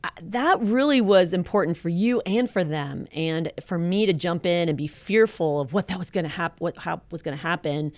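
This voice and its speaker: A woman's voice: lowish voice, moderate pace, few pauses, darkish tone, dry recording, clean studio sound. An American woman in her fifties chatting casually as co-host of a family radio show. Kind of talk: casual conversational radio talk. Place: small wood-panelled studio. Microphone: close studio mic on boom arm, with headset.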